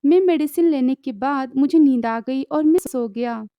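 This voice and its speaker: A woman's voice: high voice, normal speed, no echo, highs cut off, lightly acted. A woman voicing a flustered, protesting young man. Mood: apologetic. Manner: protesting, panicky.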